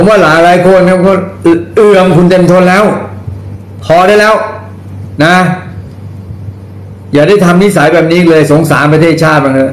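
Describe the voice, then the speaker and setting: Audible room echo surrounds a high-pitched man speaking with fairly even intonation. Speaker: social media commentator. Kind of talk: angry political rant. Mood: angry, scolding. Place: home room. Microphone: phone near.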